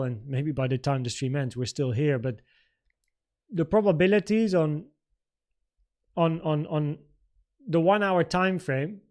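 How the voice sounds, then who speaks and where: Male livestream host, 30s, native Dutch speaker, slightly high voice, informal market commentary and Q&A, thinking aloud. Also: a little mellow. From the Netherlands.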